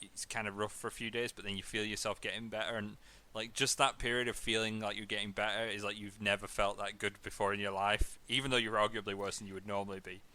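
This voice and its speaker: A man's voice: fairly low pitch, level tone, quick pace, sharp tone. A man co-hosting a gaming podcast in casual chat, with dry teasing humour. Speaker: podcast co-host.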